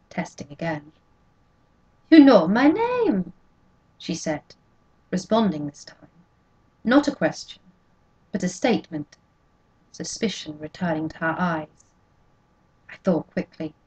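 A woman reading a novel aloud in first person, with measured, quietly expressive narration, in a dull lo-fi recording. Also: lowish voice. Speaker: audiobook reader.

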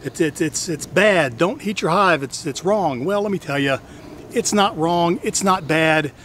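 A middle-aged hobbyist beekeeper chats to the camera in a fairly high voice, exclaiming and restarting his sentences. He is recorded outdoors from a camera a few steps away, with a faint hum of insects and yard noise behind him. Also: unhurried, fairly bright tone. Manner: chatty, exclaims, restarts and repeats himself. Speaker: hobbyist beekeeper and channel host. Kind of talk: casual how-to vlog. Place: outdoors in a wooded backyard apiary. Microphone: camera on a tripod at a distance.

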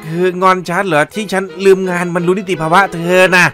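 Man, chatty anime recap narrator, playful, quick character lines, background music. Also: sits high, flat delivery, pushed and bright.

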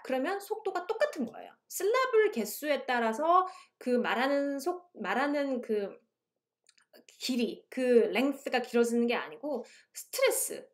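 Lively high-voiced woman lecturing. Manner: explains in a mix of languages, reads English passages aloud slowly. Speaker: university English teaching lecturer. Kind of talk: recorded online lecture.

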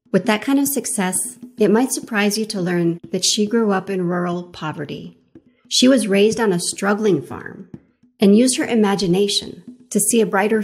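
A woman hosting an interview podcast, reading a bright scripted intro and then chatting with enthusiasm. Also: mid-range voice, gravelly, slightly rough. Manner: upbeat, warmly enthusiastic. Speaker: podcast host.

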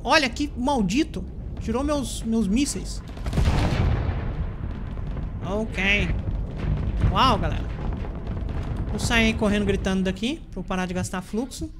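A woman with a Brazilian Portuguese accent hosting a let's play, commenting chattily with excitable reactions to the game. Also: fairly high pitch, slow pace, long pauses. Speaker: gaming channel host. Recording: voice over loud game music. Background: game music.

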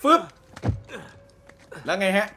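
A man casually commentating his own gameplay, excitedly explaining the on-screen dialogue as he plays. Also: extremely slow. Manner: excitable, translates and explains game dialogue aloud. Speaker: gamer commentating a let's play.

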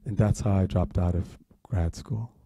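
Animated man telling a story. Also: low-pitched, normal speed, breathy edge, dry recording, lo-fi sound. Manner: animated, swings between loud and hushed. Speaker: guest speaker. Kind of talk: storytelling talk.

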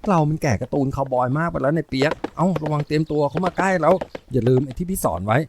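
A man voicing a quick-tempered young woman who bosses her little brother. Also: a little high, noisy background, natural voice. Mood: bossy.

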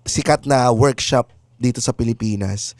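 A man's voice: medium pitch, moderate pace, darkish tone, no room sound. A man co-hosting a comedy podcast, chatting casually, joking at his own expense and laughing often. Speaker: podcast co-host.

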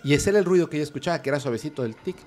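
A man, a podcast guest telling an eerie story in a lively, casual storytelling manner. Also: fairly high pitch, racing, a little hiss or hum. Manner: animated, vivid storyteller.

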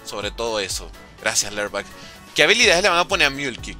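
A young man streaming a game, chatting casually with viewers and calling out their names in an excitable, slangy way. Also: medium pitch, brisk, faint music behind. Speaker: gaming livestreamer. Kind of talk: casual livestream chat while playing, reading chat aloud.

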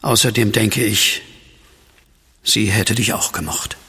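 An actor playing a shaken, tender widower who survived a monster attack, in a German horror radio play. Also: male voice, on the low side, fairly even intonation, slow, bright, forceful tone, husky, full character voice. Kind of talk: German horror audio drama acting. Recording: long hall reverb.

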